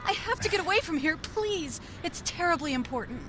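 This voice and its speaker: Over clear background noise comes a scared young woman in a 1940s radio thriller. Her voice is extremely high, breathless and distressed, pleading as if desperate to get away. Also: lively intonation, fairly quick. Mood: panicked pleading. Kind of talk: 1940s radio noir acting. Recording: clearly noisy recording.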